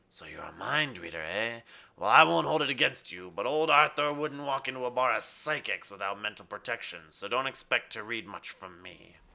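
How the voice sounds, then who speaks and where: A man puts on a raspy character voice at a medium pitch. His intonation is lively and his pace fairly quick. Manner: lowered, conspiratorial.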